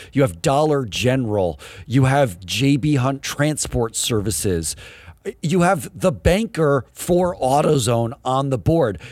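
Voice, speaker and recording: A man talks at a fairly slow pace, his pitch swinging very widely while his loudness stays very even. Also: medium pitch for a man. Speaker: podcast co-host and governance analyst. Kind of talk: casual analytical discussion.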